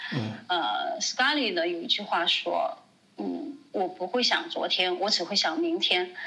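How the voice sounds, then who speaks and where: A woman speaks at a very slow pace, with hardly any pauses. Her loudness swings widely, and there is noticeable background noise. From Jiangxi, China (small city). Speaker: foreign trade businesswoman. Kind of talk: interview conversation.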